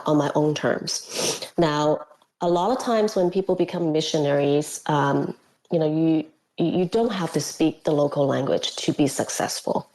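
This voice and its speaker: A woman recounts her experiences in a casual interview. Her voice sits a little low, and she tells things with animation, slipping into little acted quotes and laughter between fillers. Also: darkish tone, rough recording. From Hong Kong. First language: Cantonese. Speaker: guest, former missionary.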